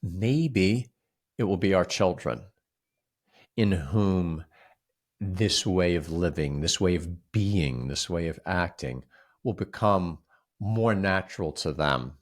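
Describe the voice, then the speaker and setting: Deep-voiced man, reflective and halting. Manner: halting, repeats words and restarts often. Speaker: podcast co-host. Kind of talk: reflective conversational discussion.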